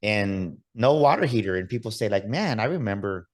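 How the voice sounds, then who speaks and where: A man hosting a motivational podcast, energetic and urging listeners to act. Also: lowish voice, moderate pace. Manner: energetic, hyped-up delivery with repeated calls to action. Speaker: podcast host.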